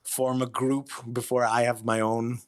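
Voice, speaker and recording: A man being interviewed as a writer, explaining himself casually in a thoughtful, somewhat halting way. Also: medium pitch, little pitch movement.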